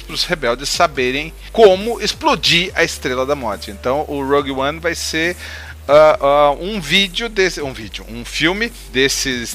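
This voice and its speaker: Bright, high-voiced Brazilian man hosting. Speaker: podcast host. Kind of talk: casual podcast talk about pop culture news. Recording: music behind the voice.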